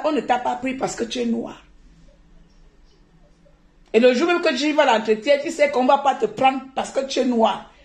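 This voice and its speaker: A woman from Gabon, talking on a live stream in an animated, indignant way and laughing often. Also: sits high, reverberant.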